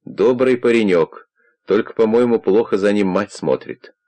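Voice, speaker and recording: Man reading as a patient older detective; low, calm, probing. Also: moderate pace. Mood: persuasive. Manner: calm, persuasive, warmly probing. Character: calm, kindly older male investigator.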